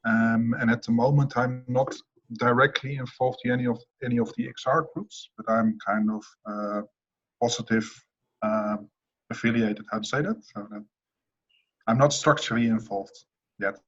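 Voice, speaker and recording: A man from the Netherlands introduces himself over a video call, pausing now and then to search for a word. His mid-pitched voice comes through dull, lo-fi audio. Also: steady tone, fairly bright tone, slightly rough. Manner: searching for words. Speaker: participant. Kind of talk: casual self-introduction.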